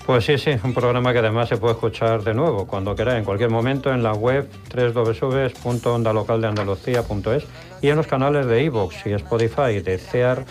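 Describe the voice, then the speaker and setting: A man co-hosting a radio program in a relaxed, conversational way. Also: mid-range voice, brisk, soft background music. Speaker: radio co-host. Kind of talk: radio chat. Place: radio studio.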